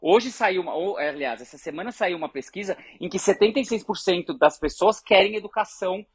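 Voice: medium pitch, brisk, husky, dry recording. A speaker who leads an education group and tells stories earnestly to make a point. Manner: earnest, animated, argues through examples. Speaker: education organization leader. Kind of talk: conversational storytelling.

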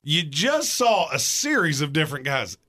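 A man's voice: on the high side, sing-song, normal speed, pushed and bright. A man in his thirties co-hosting a sports talk radio show, making emphatic, argumentative points. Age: 30s.

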